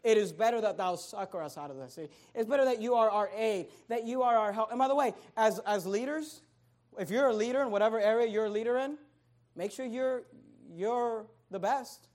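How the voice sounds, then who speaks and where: A man's voice: high-pitched, a little fast, darkish tone. A young adult man preaching a sermon as pastor, emphatic and repetitive, driving his points home.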